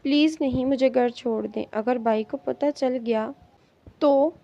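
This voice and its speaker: A woman's voice: high-pitched, vocal fry, warm tone, no room sound, muffled recording. A woman reading the lines of a frightened young woman who pleads and questions. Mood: pleading.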